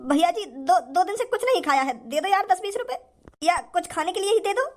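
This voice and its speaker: Man doing a squeaky whining beggar. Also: expressive, a little fast, noisy background. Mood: pleading. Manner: whining, pleading. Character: hungry pleading young male beggar.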